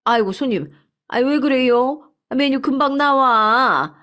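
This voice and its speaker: A speaker voicing a chatty middle-aged woman running a small restaurant, gossiping with drawn-out exclamations. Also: high voice, bright, forceful tone, voice pushed up. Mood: fussing.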